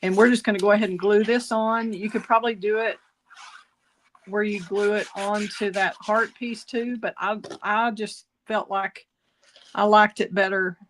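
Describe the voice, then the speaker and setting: There's a little hiss or hum behind this woman's medium-pitched voice as she walks viewers through card making. Her tutorial is casual and chatty, with self-corrections, laughter at her own jokes, and an occasional slight cough.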